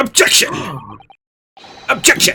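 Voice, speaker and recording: This is a put-on character voice. It sounds raspy. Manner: dramatic, shouted.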